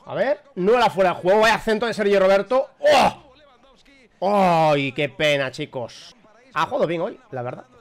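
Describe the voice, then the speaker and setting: A man reacting live to a football match as a fan, chatty and excitable, shouting at the big moments. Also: high voice, moderate pace.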